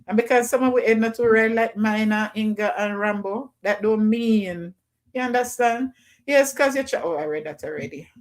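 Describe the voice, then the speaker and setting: A woman's voice: fairly high pitch, moderate pace. A woman hosting a casual livestream call-in, chatting loosely and greeting viewers by name. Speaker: livestream host.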